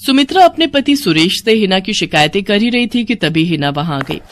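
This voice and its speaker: A woman narrating a family storybook tale in an even storytelling manner. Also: medium pitch, fairly quick, a little hiss or hum.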